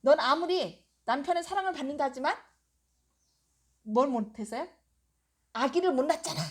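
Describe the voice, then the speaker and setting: Woman doing a mean jealous co-wife, sneering, high voice jumping around. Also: animated, moderate pace. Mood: taunting. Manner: scornful, mocking.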